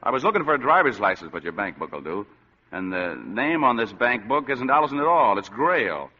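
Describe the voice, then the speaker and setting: An actor playing a world-weary, wisecracking private detective who also narrates, in a 1940s radio drama. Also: male voice, mid-range voice, very animated, fairly quick, sharp tone. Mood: sardonic. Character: wisecracking hard-boiled private eye, weary man. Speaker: narrator of the story. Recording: dull lo-fi old radio broadcast.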